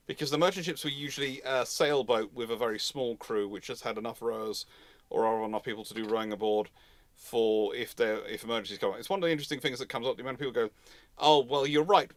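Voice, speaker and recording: A man's voice: mid-range voice, fairly bright tone, no room sound. A man hosting an unscripted live history question-and-answer session, talking discursively and correcting himself as he thinks aloud. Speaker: naval history host answering audience questions.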